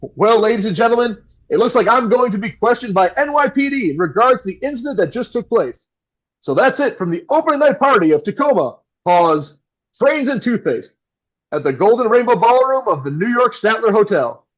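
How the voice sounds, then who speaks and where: An actor playing a polished, wry and nervous live radio host in an audio play, with a theatrical announcer delivery. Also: male voice, very high voice, lively intonation, fairly quick, lo-fi sound. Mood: showy announcing. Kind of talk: old-time radio play acting.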